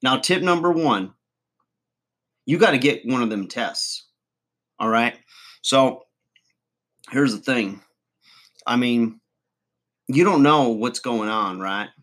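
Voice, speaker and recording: A man's voice: medium pitch, expressive, takes it slowly, long pauses, a bit bright. A man playing a folksy redneck guru. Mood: boastful rambling. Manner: rambling, folksy, chuckling, mangled words. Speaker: comedy channel host. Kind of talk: comic monologue to camera.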